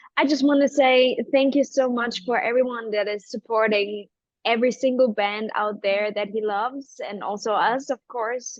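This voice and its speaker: At a moderate pace, a woman with a fairly high pitch speaks in a German accent with fairly even intonation. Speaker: singer. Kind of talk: interview. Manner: halting.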